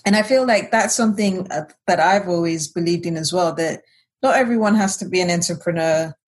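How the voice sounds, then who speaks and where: A woman co-hosting a podcast, with a lowish, breathy voice. She speaks in a reflective, unhurried way, softening her points with "like" and "you know". The conversation stays relaxed and casual. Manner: reflective, unhurried, many hedges. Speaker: podcast co-host. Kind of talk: casual chat.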